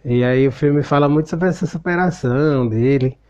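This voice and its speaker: A man's voice: a little high, normal speed, darkish tone. A man with a Brazilian Portuguese accent, giving a casual spoken commentary on a book and retelling a film scene in a reflective, storytelling way.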